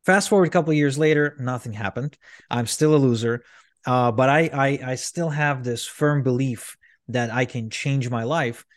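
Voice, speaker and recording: A man from Ukraine talks at an ordinary pitch for a man, looping through his story with restarts and "um"s. He is an interview guest, and his voice sits close and dry with no room sound. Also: normal speed, dry recording. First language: Russian. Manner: rambling, frequent restarts and fillers. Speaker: podcast guest, entrepreneur.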